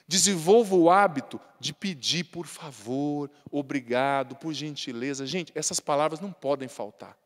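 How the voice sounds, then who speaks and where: A man's voice: fairly high pitch, moderate pace, hardly any pauses, long reverb tail. A Brazilian man giving a Catholic sermon in a folksy, humorous way, often adding tag questions. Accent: Brazilian Portuguese. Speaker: Catholic priest.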